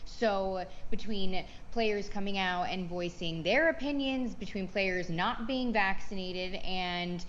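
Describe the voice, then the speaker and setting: A woman's voice: mid-range voice, slow pace, few pauses, a bit bright, lo-fi sound, slight background noise. A woman co-hosting a sports podcast, leading the casual talk in an upbeat, chatty way with playful catchphrases, over a remote virtual recording.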